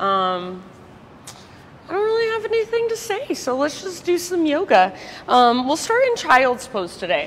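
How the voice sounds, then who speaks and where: Loud and at a fairly slow pace, a woman talks with lively intonation against noticeable background noise. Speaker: yoga teacher. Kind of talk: guided yoga class.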